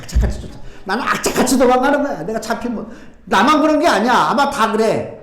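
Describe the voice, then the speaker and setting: A middle-aged man with a high, light voice preaches to his congregation. He talks in a chatty, questioning way, answering his own rhetorical questions. The sound rings around an echoey church room. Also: lively intonation, quick pace, fairly bright tone, slight background noise. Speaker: pastor. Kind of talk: sermon. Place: church sanctuary.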